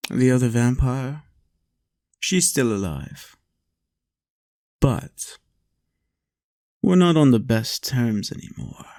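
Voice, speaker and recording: A man's voice: mid-range voice, darkish tone, dry recording, studio quality. A man playing a lonely, doting vampire lord in an intimate roleplay, soothing and playful as he coaxes the listener. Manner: soothing, unhurried, lapses into whispers and chuckles.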